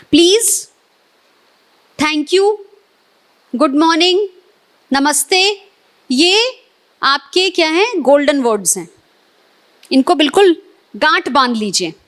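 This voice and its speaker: A middle-aged Indian woman running an etiquette workshop, lively and coaxing the audience with questions. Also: sits high. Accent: Indian Hindi. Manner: animated, quizzes and coaxes the audience. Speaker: etiquette trainer. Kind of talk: live classroom workshop.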